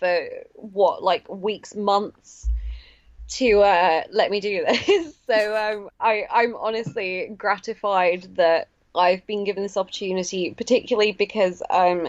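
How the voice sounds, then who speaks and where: A woman's medium-pitched voice in a British accent at a fairly slow pace. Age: 20s. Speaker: podcast guest. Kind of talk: casual interview conversation.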